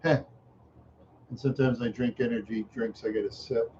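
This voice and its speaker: An older man chatting in a slow, rambling way on a livestream, repeating "yeah" and chuckling often, tired and unwell. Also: medium pitch, fairly even intonation, darkish tone. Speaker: livestream host. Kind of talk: rambling casual livestream chat. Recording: dull lo-fi stream audio with faint noise.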